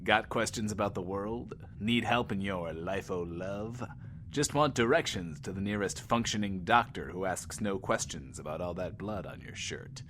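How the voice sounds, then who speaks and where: An actor playing a sleazy, wisecracking post-apocalyptic radio host in an audio drama, smug and flippant, speaking of himself in third person. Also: male voice, lowish voice, moderate pace, a bit bright, a little hiss or hum, lightly acted. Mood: smug, teasing. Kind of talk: in-world radio show patter, audio drama.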